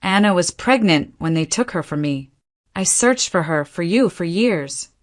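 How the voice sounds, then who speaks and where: This is a shaken, ailing older man who speaks softly and breaks into tears, as a woman narrator puts him on. The delivery is slow and sits low. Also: lively intonation. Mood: tearful. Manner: soft, tearful delivery. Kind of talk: dramatized storybook quotes.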